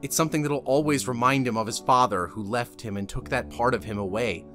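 A man's voice: mid-range voice, a little fast, over music, voice pushed down, natural voice. A man playing a weary, earnestly melancholy writer in a cartoon sketch. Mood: somber, resigned.

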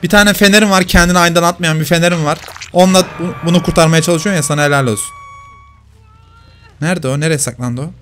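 A man's voice: fairly high pitch, fast talker, a bit bright, a little hiss or hum. A man commenting live on his own gameplay, teasing the players he hunts.

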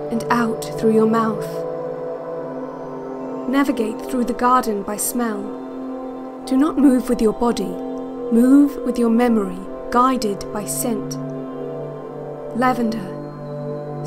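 Calm controlling relaxation tape lady, highish voice, deadpan and measured, music behind, audio drama. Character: calm, controlling female relaxation-tape instructor with veiled intent. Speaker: narrator of relaxation cassettes. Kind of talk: guided relaxation audio, scripted fiction podcast.

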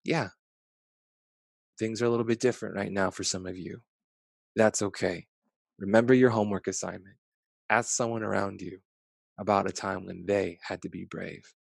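Gravelly low-voiced man reading a storybook. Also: steady tone, normal speed, long pauses, no echo. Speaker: author reading his own picture book aloud. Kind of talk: expressive storybook narration. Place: small bedroom at home. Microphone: headset.

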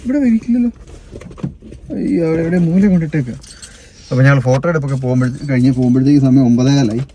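A man's voice: medium pitch, very fast, warm tone, slight background noise. A man talking casually to viewers as a family vlogger, chatty and rambling, recorded outdoors by a car on a handheld phone. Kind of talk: casual vlog talk to viewers. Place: outdoors by a car after church.

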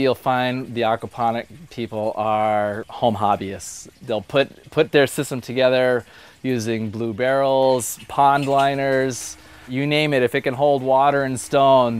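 Smooth-voiced man giving a hands-on tour. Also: mid-range voice, steady tone, measured pace. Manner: plain, practical, with frequent fillers and restarts. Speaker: home aquaponics hobbyist. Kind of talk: casual explanatory tour. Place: greenhouse and home interior.

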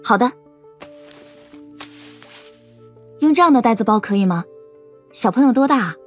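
Casting: actress as frank teenage shop assistant for radio play, light high register, slightly husky. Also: female voice, lively intonation, fast. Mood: friendly, curious. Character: candid, observant teenage shopgirl. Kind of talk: audio drama dialogue. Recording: music behind the voice.

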